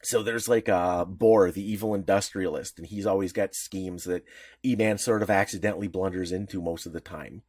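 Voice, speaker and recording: A man's voice: low-pitched, fairly even intonation, normal speed, darkish tone, no echo, studio quality. A man co-hosting a podcast, explaining comics history in a rambling, enthusiastic way with many restarts. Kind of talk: casual podcast chat.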